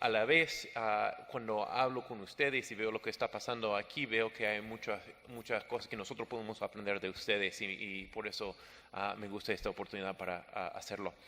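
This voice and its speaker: Speaking in an American accent, a man uses a fairly low pitch and a bright, sharp tone. His pace is moderate and his intonation fairly even. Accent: non-native Spanish, American. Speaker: education official, panelist. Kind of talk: conference talk. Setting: conference stage with audience. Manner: halting, many fillers.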